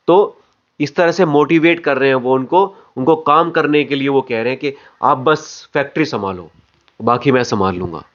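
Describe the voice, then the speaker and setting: A man's voice: mid-range voice, moderate pace, dull audio. A man coaching acting, explaining phrase by phrase and repeating words for emphasis. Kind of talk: explanatory lesson on voice modulation.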